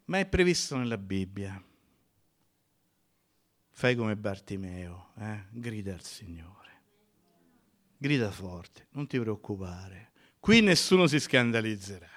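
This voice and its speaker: A male pastor preaching a sermon in a church, emphatic, swinging from loud cries to near whispers. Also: fairly low pitch, big pitch swings, slow pace.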